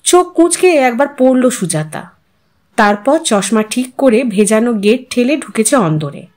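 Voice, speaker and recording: A woman's voice: fairly high pitch, big pitch swings, measured pace, a little mellow. A woman reading a literary story aloud as a narrator, in a dramatized, musing manner. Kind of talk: expressive scripted story narration.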